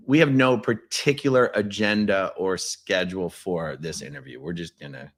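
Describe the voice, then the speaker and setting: A man in his forties with a very low voice hosts a relaxed interview and drops wry remarks. He speaks into a desk mic in a small wood-paneled studio. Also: normal speed. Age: 40s. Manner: relaxed, conversational, wry asides. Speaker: host. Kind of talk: casual interview.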